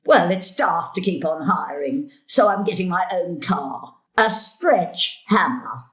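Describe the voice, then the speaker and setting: A woman's voice: on the low side, lively intonation, slow, a bit bright, echoey room. An actress playing an elderly, demanding grandmother in an audio drama, with an imperious, querulous, theatrical manner. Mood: excited, dreamy. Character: elderly, spoilt, demanding grandmother with fanciful spending sprees. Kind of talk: stage-style audio drama acting.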